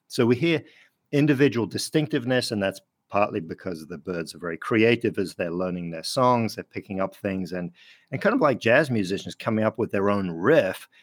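A man from France, a biologist guest, explaining thoughtfully in a radio interview and chuckling now and then. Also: on the low side.

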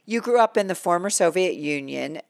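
An American woman presents a public radio program in a somewhat low voice. She delivers scripted lines and interview questions in a dry studio sound. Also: animated, normal speed, gravelly, no echo. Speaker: radio host.

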